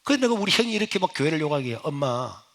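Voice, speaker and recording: A middle-aged male pastor with a Gyeongsang accent, telling a lively story in a sermon. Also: high-pitched, very fast. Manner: animated, storytelling. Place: church sanctuary. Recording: echoey church hall.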